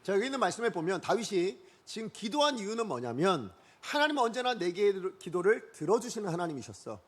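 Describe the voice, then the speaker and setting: A man's voice: high voice, sing-song, fast talker, breathy edge. A male pastor preaching a Sunday sermon, often putting rhetorical questions to the congregation. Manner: leads the congregation in unison scripture reading.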